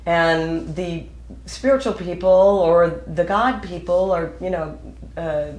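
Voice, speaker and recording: A woman's voice: lowish voice, slow pace, a little mellow, roomy sound. A middle-aged woman counselor explaining a self-talk exercise to a couple, emphatic and teacherly.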